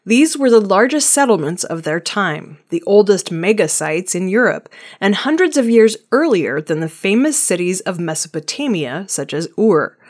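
A woman reading archaeology news headlines and stories in a measured, scripted newsreading style. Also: mid-range voice, sing-song. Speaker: news reader.

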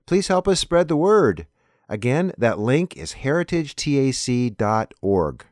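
A man hosting a weekly news program, reading an introduction and listing headlines in a measured way. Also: mid-range voice, big pitch swings, a little mellow, dry recording, clean studio sound. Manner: plain, measured announcer reading.

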